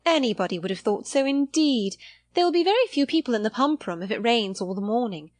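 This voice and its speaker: A woman's voice: fairly high pitch, expressive, fairly quick, no echo, voice pushed up, close to an everyday voice. A woman voicing a placid, trivial-minded married lady in a period novel audiobook, chatting in a mildly fretful manner. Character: placid, trivial-minded middle-aged married lady, fussy about clothes.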